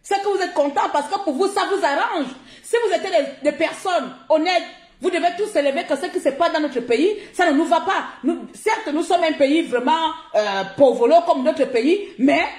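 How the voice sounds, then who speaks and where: A woman from Gabon with a high voice scolds her viewers in a heated live-stream rant, hammering her points by repeating them. She talks into her phone in an echoey room. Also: moderate pace. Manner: confrontational, scolding, repeats herself for emphasis. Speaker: social media live streamer.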